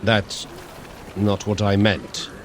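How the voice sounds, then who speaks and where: A man's voice: lowish voice, flat delivery, slow. A man playing a hearty, good-natured male Norse god with a courtly, genial manner in an audio drama. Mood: questioning. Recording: faint outdoor city noise. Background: faint outdoor street sounds.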